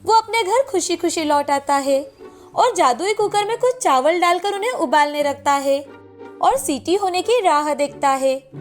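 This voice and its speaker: High-voiced woman narrating a cartoon tale. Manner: clear, even storytelling delivery. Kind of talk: scripted storybook narration.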